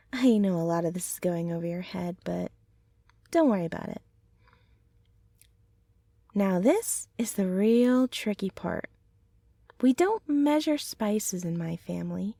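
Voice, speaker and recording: Woman as a soft, slow-talking gentle centaur girlfriend. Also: medium pitch, vocal fry, dry recording, clean studio sound, heavily acted. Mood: gentle, instructive. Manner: soft, tender, unhurried, rambling. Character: gentle, affectionate young centaur girlfriend, chatty home baker. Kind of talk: ASMR roleplay, soothing recipe ramble.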